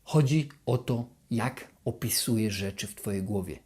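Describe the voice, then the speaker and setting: A self-help channel host giving a motivational talk to the viewer, animated and repetitive, dropping into a hushed, anxious voice to act out inner thoughts. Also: medium pitch, normal speed, husky. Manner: repeats and rephrases questions over and over.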